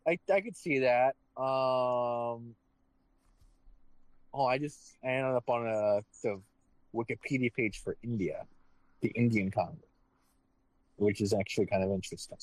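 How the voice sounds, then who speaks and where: A man's voice: mid-range voice, a little slow, long pauses, dry recording, poor audio. A man co-hosting a casual chat show, rambling and swearing, often restarting his sentences. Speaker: podcast co-host.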